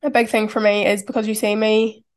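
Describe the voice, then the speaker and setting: Chatty Irish woman with a flat voice. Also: medium pitch, fairly quick. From Ireland. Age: 20s. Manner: chatty, reflective, heavy use of "like". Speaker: podcast host. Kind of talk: casual solo podcast monologue.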